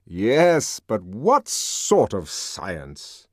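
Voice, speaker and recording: A man voicing a powerful older controller who lectures in a measured, sardonic way. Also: medium pitch, wildly swooping pitch, dry recording, studio quality, voice pushed up.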